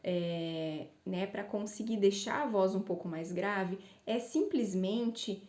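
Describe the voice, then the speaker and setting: A woman's voice: medium pitch, slow pace, a little mellow. A woman speech therapist in her thirties giving a conversational voice lesson, explaining and often checking in with her listeners. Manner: explanatory, conversational, frequent tag questions. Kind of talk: voice coaching lesson. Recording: echoey room.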